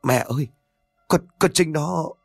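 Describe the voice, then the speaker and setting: A man's voice: on the high side, moderate pace, no room sound, soft background music, pitched above the performer's own voice. A man playing a terrified young daughter. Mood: terrified, pleading. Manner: stammering, pleading, panicky. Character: frightened young woman, a mother's daughter.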